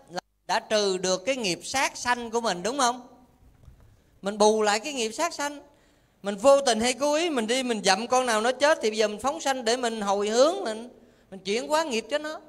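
Nhà sư giọng cao, giảng pháp sôi nổi. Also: male voice, very high voice. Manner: lively, teasing questions to the audience. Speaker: Buddhist monk teacher. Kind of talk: sermon. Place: temple hall.

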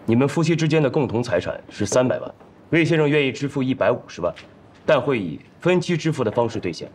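An actor playing a businesslike, unyielding divorce lawyer in formal TV drama dialogue. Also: male voice, medium pitch, animated, quick pace, a little mellow, a little hiss or hum, lightly acted.

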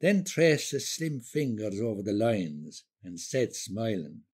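An elderly Irishman with a husky voice and a lively, swinging delivery. He is a forgetful, wistful old builder who rambles conversationally through a radio play monologue. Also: on the low side, slow, full character voice. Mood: reminiscing. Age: older. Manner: rambling, hesitant, conversational storytelling.

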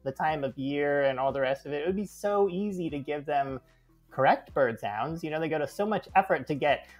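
A man, a guest on a podcast, telling animated birding stories with frequent laughter. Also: a little high, brisk, soft background music. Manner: enthusiastic, laughs often. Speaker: guest birder. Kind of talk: casual interview storytelling.

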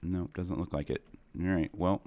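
A gaming channel host in his thirties rambles casually to viewers during a Minecraft let's play, self-deprecating and a bit sick, his voice going hoarse. His voice sits low and a little mellow, with fairly even intonation at a moderate pace and no echo.

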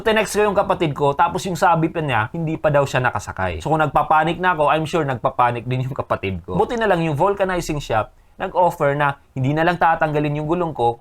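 Filipino man narrating a casual vlog review. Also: fairly high pitch. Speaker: motorcycle vlogger reviewing gear.

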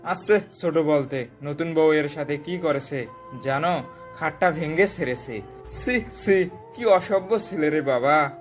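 Brief: man as mischievous brother-in-law, slightly high voice, mocking and exclamatory. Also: a little slow, faint music behind, lightly acted. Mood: teasing.

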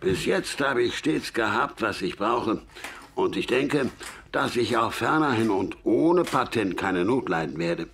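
An actor playing a gruff, stubborn, solitary old gunsmith in a radio play, speaking in curt, grumbling sentences. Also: male voice, lowish voice, lively intonation, a little slow, a bit bright, slight background noise. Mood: grumpy, dismissive. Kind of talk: German radio play acting.

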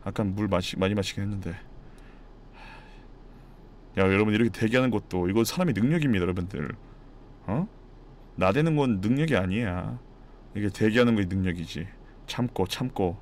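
A man's voice: lowish voice, normal speed, pauses often, slight background noise. A man giving live game commentary as a streamer, casually and playfully talking to viewers, muttering repeated short phrases and bursting into exclamations.

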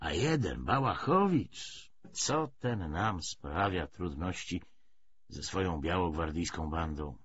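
A man's voice: low-pitched, animated, slow pace, fairly bright tone, heavily acted. A man reading an audiobook, voicing a weary, cynical, persuasive Bolshevik official with emphatic, hesitating, rhetorical speech. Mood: confiding. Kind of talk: dramatised audiobook dialogue. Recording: dull lo-fi audio, faint noise.

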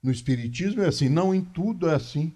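A man's voice: on the high side, animated, quick pace, warm tone. A man in his fifties with a Brazilian accent gives a religious lecture, didactic and conversational, repeating key phrases for emphasis. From Minas Gerais, Brazil. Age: 50s. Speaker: lecturer at a Spiritist centre. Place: small meeting room, indoors.

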